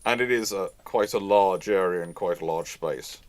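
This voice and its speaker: A man's voice: sits low, normal speed. A man hosting a live question-and-answer chat, talking in a rambling way and often repeating and rephrasing himself. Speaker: host answering audience questions.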